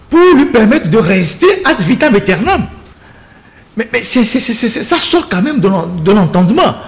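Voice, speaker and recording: Animated, high-voiced man. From Togo. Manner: indignant, insistent, repeats words while building a point. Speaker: political commentator. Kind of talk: heated panel debate.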